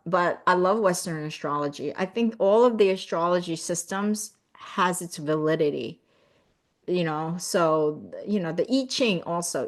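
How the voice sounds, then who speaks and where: A middle-aged woman, born in South Korea and raised in the US, hosts a live stream in casual, earnest chat. She reads out viewer comments and often adds "you know" and "right?". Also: lowish voice. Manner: lively when thanking viewers.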